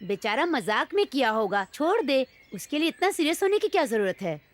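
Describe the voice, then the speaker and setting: Woman dubbing a coaxing young friend, high lively voice. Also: fairly quick. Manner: coaxing, calming. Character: soothing young female friend. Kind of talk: Hindi film dubbing.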